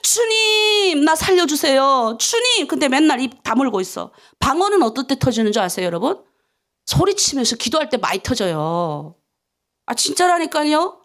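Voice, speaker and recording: A woman pastor giving a dawn prayer sermon, moving between hushed asides and loud, fervent prayer. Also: high-pitched, fairly quick. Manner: animated preaching, swings from hushed asides to shouted prayer.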